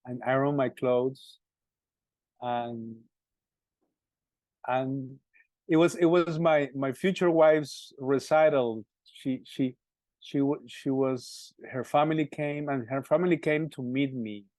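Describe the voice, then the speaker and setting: A middle-aged man from Colombia, speaking English with a Colombian Spanish accent as a musician being interviewed. He talks haltingly, repeating words and restarting often. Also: medium pitch, darkish tone, no echo. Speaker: musician guest. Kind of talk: interview answers.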